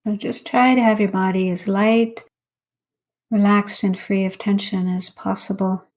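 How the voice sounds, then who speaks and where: A woman, a meditation teacher, leading a guided meditation in an unhurried, instructional way with long pauses. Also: medium pitch, flat delivery, a little mellow, poor audio.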